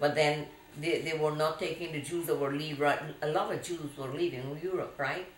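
A woman with a very deep, low voice speaks at a moderate pace with fairly even intonation, with audible room echo and light background noise. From Guyana. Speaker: grandmother telling family history. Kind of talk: interview answer. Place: home room. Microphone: camera far.

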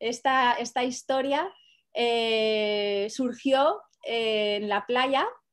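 A woman speaks very slowly in a high voice with ordinary pitch variation over a quiet background. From Catalan Pyrenees, Spain. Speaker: children's author and psychologist. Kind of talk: interview. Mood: warm, smiling. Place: home room. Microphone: video call.

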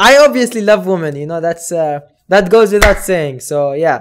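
A man at a moderate pace with lively intonation, noticeable background noise behind him. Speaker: video chat streamer. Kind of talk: casual joking chat with strangers. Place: home room. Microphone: headset.

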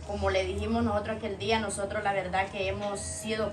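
Noticeable background noise sits behind a woman's speech. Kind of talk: interview answer. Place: home room. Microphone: phone near.

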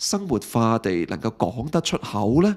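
The pitch swings very widely. Delivery is at a fairly slow pace. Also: man, very clean recording, silent background. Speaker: film commentary youtuber. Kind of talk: casual monologue. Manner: halting, many filler sounds.

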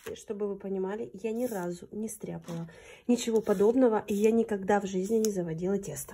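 A woman speaks at a very fast pace in a dark, mellow tone. Her pitch varies in an ordinary way. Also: medium pitch for a woman. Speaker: vlogger. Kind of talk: casual vlog narration. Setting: outdoors by the sea. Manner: animated.

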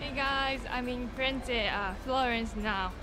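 Clear music plays in the background as a woman speaks at a high pitch. Her intonation is fairly even. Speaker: travel vlogger. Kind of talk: casual vlog chat. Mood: cheerful. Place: street. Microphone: phone near.

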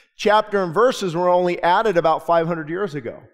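A man with a high-pitched voice talks at a moderate pace, his pitch varying in an ordinary way, over a quiet background. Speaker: pastor. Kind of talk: sermon. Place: church. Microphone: headset.

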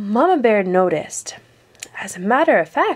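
The clip features plain reading aloud.

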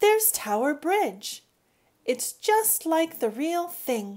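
Using a put-on character voice, a woman speaks slowly at an extremely high pitch, with big pitch swings and a slightly mellow tone.

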